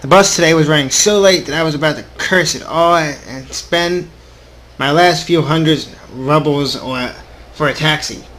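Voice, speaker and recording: A man's voice: on the high side, unhurried, fairly bright tone. A young adult man hosting a casual gaming video, reading story text aloud informally with offhand asides and the occasional stumble.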